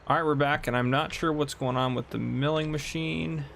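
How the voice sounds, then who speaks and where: A man's voice: on the high side, fairly even intonation, normal speed, vocal fry, fairly bright tone. A man in his twenties chatting casually while playing a farming game at home, rambling and laughing often. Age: 20s. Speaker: gaming channel host. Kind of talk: casual gameplay commentary. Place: home room.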